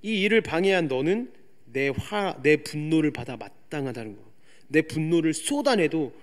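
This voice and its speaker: High-voiced young male youth pastor preaching. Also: sing-song, moderate pace. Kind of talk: sermon. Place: church sanctuary.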